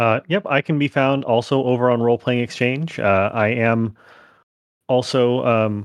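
Man at medium pitch with an unremarkable speaking voice, fairly even intonation, a fairly slow pace, and a quiet background. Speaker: tabletop RPG player. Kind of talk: casual tabletop RPG actual play.

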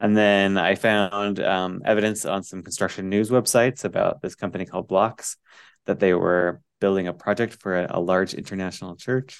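A man talks in a plain, everyday voice with a fairly low pitch. His pace is moderate and the background is quiet. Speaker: temple news writer. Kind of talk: casual chat.

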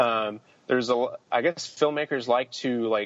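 A man at medium pitch, fairly even in intonation, at a fairly slow pace. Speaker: podcast host. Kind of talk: casual podcast chat.

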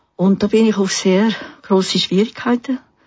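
Speaking with a Basel-Land accent, a woman uses a medium pitch and fairly even intonation. Her voice is somewhat breathy and her pace fairly slow. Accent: Swiss German, Baselbiet dialect. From Switzerland, Basel-Landschaft (Oberbaselbiet). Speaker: feminist economist. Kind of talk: radio interview. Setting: radio studio.

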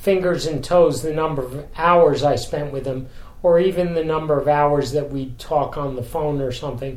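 A man speaks with a New York accent at a fairly slow pace. His pitch sits fairly high. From New York City (Manhattan). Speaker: street performer, magician and comedian. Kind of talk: casual interview. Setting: at home.

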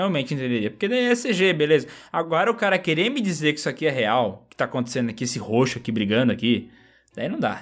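Very fast talk from a man with a fairly high pitch and very wide pitch swings, in a very clean recording with a silent background. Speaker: film podcast co-host. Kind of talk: casual chat.

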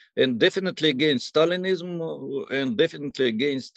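A man talks quickly, at a fairly quick pace, with a Russian accent. His fairly high voice carries lively intonation. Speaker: professor. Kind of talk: interview. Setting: video call.

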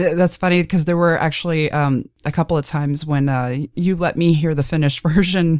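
A woman with an American accent talks at a fairly quick pace with hardly any pauses, her pitch very deep and low. Her intonation is fairly even, her loudness very even, and the recording is very clean with a silent background. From Texas. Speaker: story narrator and host's wife. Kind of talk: casual interview chat.

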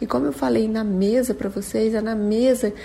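In a normal speaking voice, the words come at a moderate pace. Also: woman. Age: 30s. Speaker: homemaker. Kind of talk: testimony.

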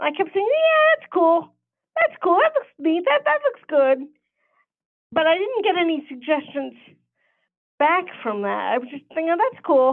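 Speaking with an American accent, a woman uses an extremely high voice with very wide pitch swings and long, frequent pauses. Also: moderate pace. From US Northeast, Hudson Valley New York. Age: middle-aged. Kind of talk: interview. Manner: halting, many fillers.

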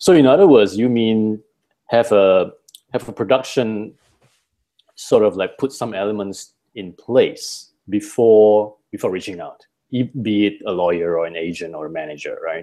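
A man talks at a moderate pace in a dark, mellow tone with a fairly low pitch. His pitch varies in an ordinary way, while his loudness swings widely. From Singapore. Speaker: filmmaker. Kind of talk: casual interview.

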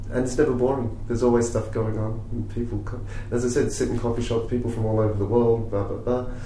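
Noticeable background noise and audible room echo surround a man of medium pitch. He races along at a very fast pace, monotone and flat, with hardly any pauses. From Australia. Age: 50s. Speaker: street performer and magician. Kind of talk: casual chat.

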